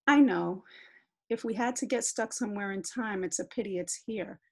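A woman doing a toneless, deadpan teenage boy. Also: medium pitch, moderate pace, creaky. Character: gloomy deadpan teenage boy, the girl's brother.

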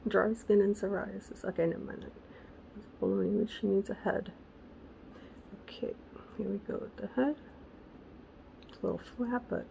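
A woman hosting a casual crafting tutorial, chatty and correcting herself, her voice raspy because she is losing it. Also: mid-range voice, dark tone, slight background noise, poor audio. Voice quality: gravelly. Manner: chatty, self-correcting, muttering asides to herself. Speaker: craft channel host.

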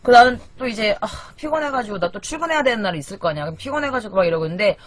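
A woman's voice: fairly high pitch, lively intonation, racing, a crowd in the background. A young woman from Korea livestreaming from her apartment at night, swearing casually and venting in an exasperated way. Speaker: live streamer. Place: small apartment at night, sister asleep in the loft. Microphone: desk microphone.

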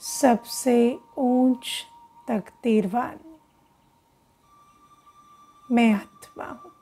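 Female meditation guide, hushed and unhurried, relaxed dark tone with noticeable vocal fry, short phrases and long pauses. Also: a little high, faint music behind.

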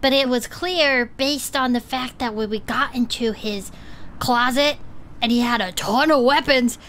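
A woman's voice: fairly high pitch, measured pace, fairly bright tone, slight background noise. A woman co-hosting an audio drama, recapping the story in a dramatic, chatty style. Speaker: co-host and player.

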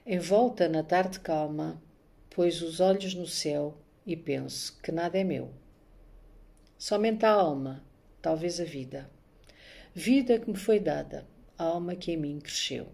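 A middle-aged woman, introducing herself and reading her poems in a measured, soft-spoken way, recorded on a phone at home. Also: sits low, vocal fry. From born in Angola, raised there. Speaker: poet and maths teacher. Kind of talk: self-introduction and poetry reading. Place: home room, indoors. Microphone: phone camera at arm's length.

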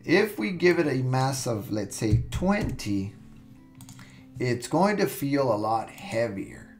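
A man walking through a software tutorial step by step, relaxed and thinking aloud with fillers and restarts, recorded at his computer with soft music underneath. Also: mid-range voice, slow pace.

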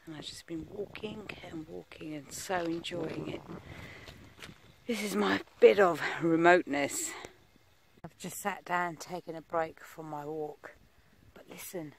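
A middle-aged woman vlogging casually from her phone outdoors, chatty, laughing often and dropping into breathy asides. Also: fairly low pitch, fairly even intonation, unhurried, noisy background. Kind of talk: casual vlog narration. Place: outdoors on windy coast and town streets. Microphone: phone at arm's length.

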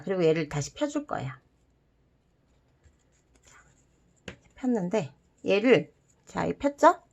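Husky woman teaching crafts to children. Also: medium pitch. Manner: repeats steps simply, sprinkles in playful sound words. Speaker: host of a children's origami tutorial. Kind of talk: step-by-step craft instruction for children.

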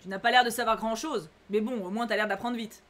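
A woman's voice: a little high, steady tone, quick pace, fairly bright tone, voice pushed down, natural voice. A woman voicing a curt, haughty young fantasy man in a story game, in a dry, dismissive way.

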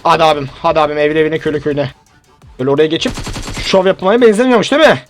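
A young gaming YouTuber with a fairly high voice races through lively, joking live commentary while playing a mobile shooter. He eggs on his teammates and talks to his viewers as gunfire and faint music play behind him.

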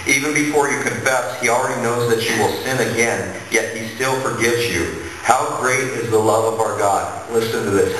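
Priest preaching in an echoey church. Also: male voice, fairly low pitch, fairly bright tone, far from the mic, slight background noise. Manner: earnest, repetitive preaching cadence. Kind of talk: sermon. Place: large church, indoors. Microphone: gooseneck mic on a lectern.

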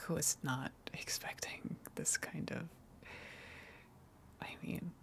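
A woman plays a friendly female eldritch monster for an ASMR roleplay. She whispers breathily with some creak in her voice. Her delivery is very slow and halting, coy and gently teasing. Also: low voice, full character voice. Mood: flustered, coy.

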